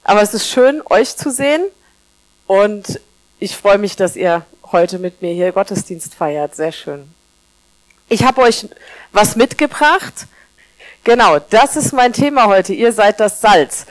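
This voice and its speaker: A woman's voice: mid-range voice, expressive, measured pace, dry recording, rough recording. A woman, a teacher by profession, preaching a sermon in a friendly, conversational way, speaking straight to the congregation.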